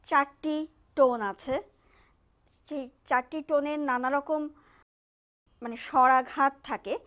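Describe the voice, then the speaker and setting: Woman TV co-host, high voice, clear explainer. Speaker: co-host and interpreter. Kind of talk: explaining in a TV language class.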